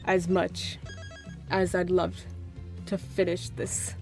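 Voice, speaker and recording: Woman streamer winding down, voice almost gone, kinda low pitched, bit of music in the back. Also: completely flat delivery, takes it slowly, gravelly. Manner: plays all the characters in one voice, sings bits to herself. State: losing her voice. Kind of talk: reading game dialogue aloud, then casual chat.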